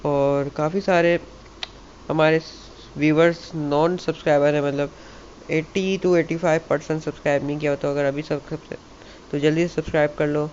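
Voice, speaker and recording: South asian guy doing a tech tutorial, hindi or urdu native, kinda high voice, stumbles a bit, muffled lo-fi mic. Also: flat delivery, darkish tone. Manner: halting, stumbling reading of English with repeated words. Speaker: YouTube tech channel host. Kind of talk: tutorial, reading an article aloud with casual asides. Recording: muffled lo-fi mic with background noise.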